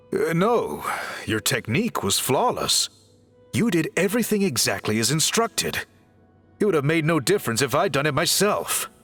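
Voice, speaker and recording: A man playing an earnest, courteous tribal craftsman and reformer in a video game, speaking in polite, measured, articulate phrases. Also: medium pitch, a bit bright, breathy edge, full character voice. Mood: regretful, apologetic. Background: background music.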